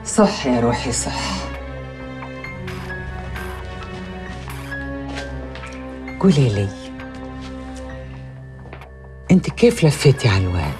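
An actress playing a scheming, vengeful middle-aged village matriarch, gloating and sly. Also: female voice, rumbling low, very animated, fast talker. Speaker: mother-in-law. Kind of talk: TV drama acting. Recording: faint music score behind.

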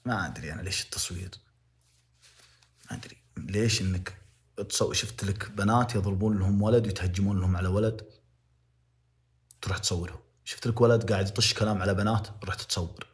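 A man's voice: deep voice, fast talker, long pauses. A young man with a Saudi accent giving impassioned, moralizing livestream commentary, repeating phrases to press his point. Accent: Saudi Arabic.

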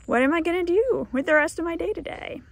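A woman's voice: very high-pitched, lively intonation, fast, very noisy. A woman in her thirties casually narrating a travel vlog, chatty and upbeat, recorded on a close camera in a minivan and outdoors. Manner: chatty, upbeat, sometimes whispering softly. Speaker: travel vlogger.

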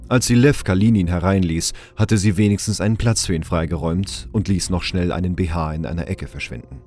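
A man narrating a sci-fi crime audio drama in a measured, serious, scripted storytelling style. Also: low-pitched, darkish tone, lightly acted. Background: music.

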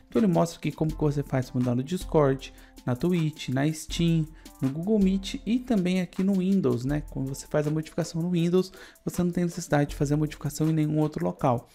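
A man in his thirties with a Brazilian accent giving a casual software tutorial on a USB microphone in a studio. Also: a little high, vocal fry. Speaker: tutorial presenter. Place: studio indoors.

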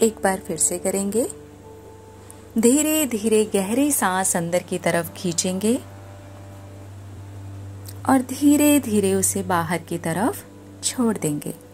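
A woman guiding a meditation in a soothing, deliberate manner. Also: mid-range voice, lively intonation, a little mellow. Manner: soothing, deliberate, repetitive instruction. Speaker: meditation guide. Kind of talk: guided meditation narration. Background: background music.

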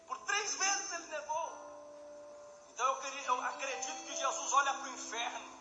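A pastor with a strikingly high, ringing voice, preaching with fervour and breaking into shouts. His voice echoes around a church hall. Worship music plays clearly beneath him. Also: animated, moderate pace. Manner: fervent, swells into shouting. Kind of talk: impassioned sermon.

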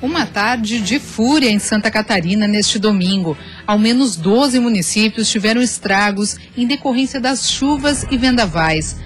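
A woman with a Brazilian accent reading scripted news narration as a reporter. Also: mid-range voice. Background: music under the narration.

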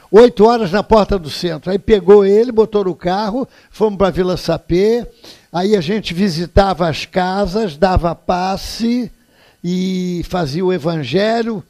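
A man's voice: sits high, measured pace, darkish tone. An older Brazilian man giving an earnest public lecture in a hall, telling stories with emphasis. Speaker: lecturer at a spiritist center. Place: indoor lecture hall, standing before an audience.

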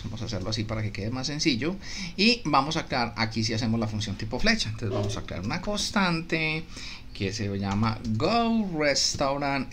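A man's voice: medium pitch, fairly bright tone, slight background noise. A man with a Colombian Spanish accent teaching a coding lesson over a screen recording, explaining step by step and often repeating and correcting himself. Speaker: programming instructor. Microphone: desktop mic, voice-over on screen capture.

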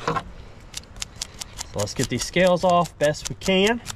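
A man's voice: sits high, expressive, slow. A man, casually explaining each step as he works, like a vlogger teaching. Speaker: fishing and cooking vlogger. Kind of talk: casual instructional narration while working. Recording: noisy action-camera audio, outdoors and kitchen.

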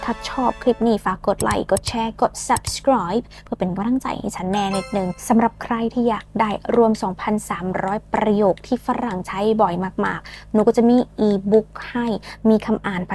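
Woman, English teacher, playful, teasing, slow pronunciation drills, faint background music. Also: mid-range voice, darkish tone. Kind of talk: lesson with repeat-after-me drills.

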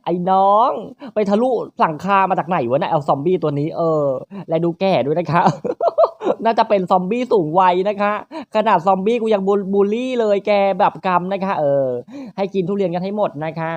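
A gaming channel host, giving playful, crude let's-play commentary in quick teasing banter. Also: no echo. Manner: crude, teasing, rapid banter with frequent high laughs.

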